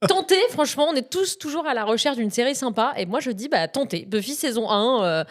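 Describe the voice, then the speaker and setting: Bubbly young woman host, kinda high voice, chatty, laughs a lot. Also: expressive, fairly quick. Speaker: podcast host. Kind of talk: casual film podcast chat.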